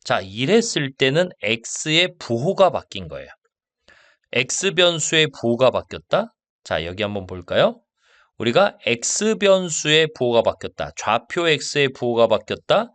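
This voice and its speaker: A male math teacher giving a lecture. He slows down to stress key terms and keeps asking if the class follows. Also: mid-range voice, very animated, fairly bright tone, no echo. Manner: slow and stressed on key terms, asks checking questions.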